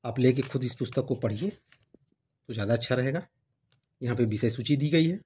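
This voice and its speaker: A man's voice: mid-range voice, normal speed, a little mellow, a little hiss or hum. A man hosting his own channel, explaining a devotional book in a casual, conversational way and reading passages aloud. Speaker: channel host reviewing books. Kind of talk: casual book review talk.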